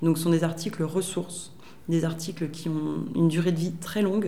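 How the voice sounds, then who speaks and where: A woman's fairly low, monotone voice at a moderate pace, with flat intonation, audible room echo, and noticeable background noise. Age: 30s. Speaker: journalist. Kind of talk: interview. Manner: halting with frequent fillers.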